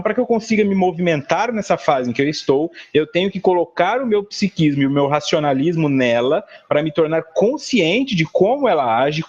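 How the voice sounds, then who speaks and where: A man with a fairly high, darkish voice, recorded in lo-fi, is a psychologist leading a spiritual study class. He talks through a text in a conversational way, using everyday examples and often checking in with listeners through frequent "tá?" tags.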